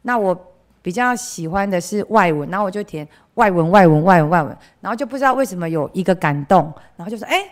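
A woman's voice: on the low side, lively intonation, fast talker. A young woman from central Taiwan with a Taiwanese Mandarin accent gives a candid, chatty personal testimony at church. She often trails off with filler phrases and acts out the voices of people she quotes. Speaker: church member giving a testimony.

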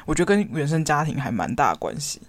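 Lively, fast-talking woman with Taiwanese accent. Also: low voice, no room sound. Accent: Taiwanese Mandarin. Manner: animated storyteller, breaks into laughter. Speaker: podcast co-host. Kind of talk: casual chat.

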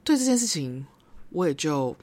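A woman's voice: low voice, very animated, moderate pace, darkish tone. A young woman with a Taiwanese Mandarin accent hosting a solo podcast, talking in a reflective, rambling way and slipping into English phrases. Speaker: podcast host. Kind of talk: casual solo podcast monologue.

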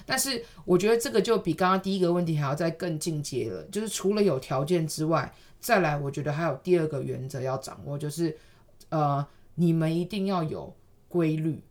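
Lowish-voiced Taiwanese woman explaining casually. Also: fairly quick, a little mellow. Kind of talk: casual conversational advice.

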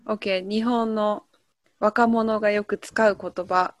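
A woman's voice: medium pitch, steady tone, takes it slowly, no echo, muffled recording. A woman with a Kansai Japanese accent co-hosting a podcast, casually explaining slang with examples and laughing often. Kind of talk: casual chat lesson.

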